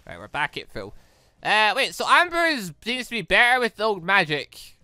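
Excitable British gamer, dry close sound. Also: medium pitch, normal speed, dry recording. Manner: excitable, rambling, self-interrupting. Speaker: gaming video host. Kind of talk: let's play commentary, reading dialogue aloud. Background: game music.

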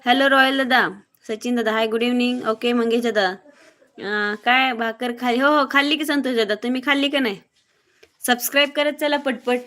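A woman from Maharashtra talks casually on a live stream, her voice sitting a little on the high side. She moves quickly from one viewer to the next, greeting each by name and reading comments aloud. Her manner is blunt and outspoken. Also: fairly even intonation, pushed and bright. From Maharashtra, near Mohol. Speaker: livestreamer.

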